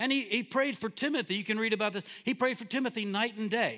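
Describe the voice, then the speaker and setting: Recorded very cleanly against a silent background, a man with an American accent uses a raised, projected voice with a high pitch, a bright, sharp tone and ordinary pitch variation. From US Northeast, New Jersey. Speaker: missionary pastor. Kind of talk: sermon. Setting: church. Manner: halting.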